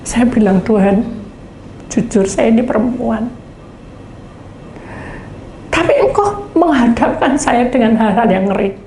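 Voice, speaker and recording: A woman's voice: on the high side, measured pace, pauses often, dark tone. Woman, pastor, testimony sermon, dramatic storytelling, echoey hall. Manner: dramatic storytelling, acts out voices. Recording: echoey room, faint background noise.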